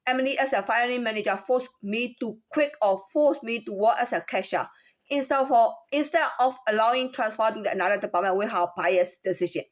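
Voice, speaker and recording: A woman with a Chinese accent and a fairly high voice tells her own story of a workplace complaint. She speaks haltingly, restarting her phrases and repeating words. She keeps stopping to ask rhetorical questions. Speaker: former store employee. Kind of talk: personal account of a workplace complaint.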